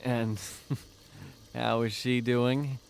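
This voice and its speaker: A man's voice: medium pitch, flat delivery, very slow, vocal fry, smooth. A man playing an affectionate, joking young boyfriend in a naturalistic audio drama. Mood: amused, teasing.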